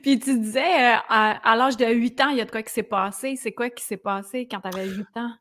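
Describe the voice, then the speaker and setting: A woman's voice: a little high, fairly even intonation, brisk, a bit bright. A woman hosting a casual interview who laughs often and answers with short agreeing remarks. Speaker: host.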